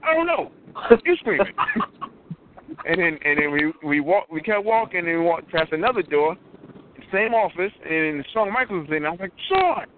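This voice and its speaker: Animated man telling stories over a phone line. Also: on the high side, moderate pace, slight background noise. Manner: animated, acts out quotes in a raised voice. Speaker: guest wrestler. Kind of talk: casual storytelling chat. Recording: tinny phone-line audio.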